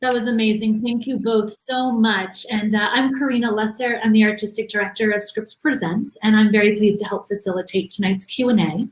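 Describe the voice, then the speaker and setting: A woman's voice: mid-range voice, fairly even intonation, fairly quick, hardly any pauses. A woman hosting a Q and A, speaking in a polite introductory style, in a roomy, echoing recording. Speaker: event host, Q and A facilitator. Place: remote video event.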